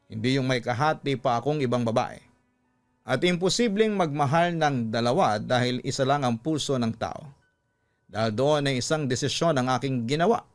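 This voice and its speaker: A man narrating a scripted love story for radio in an emotive, deliberate storytelling manner. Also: mid-range voice. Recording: music under the voice.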